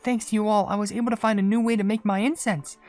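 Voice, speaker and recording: Woman acting out a gentle, courteous young incense maker. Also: medium pitch, steady tone, fast talker, close to an everyday voice. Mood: grateful. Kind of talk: reading game dialogue aloud in character. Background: game music.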